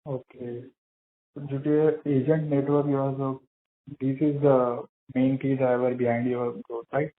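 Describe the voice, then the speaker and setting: A man speaks over a thin, tinny phone line, his tone staying fairly flat as he asks an investor's questions. He is polite and a little hesitant, often pausing on "uh". His pitch sits in a middling range for a man. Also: slight background noise. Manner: polite, hesitant, many "uh" fillers. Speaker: individual investor caller. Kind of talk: asking questions on an earnings call.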